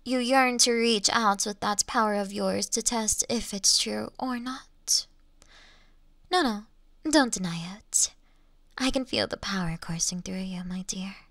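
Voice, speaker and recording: A woman's voice: medium pitch, unhurried, a bit bright, no room sound, studio quality. A woman playing a refined female monster who toys with a hunter in a Victorian fantasy audio roleplay, speaking in mocking, formal, old-fashioned phrases and often slipping toward a whisper. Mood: sly, probing.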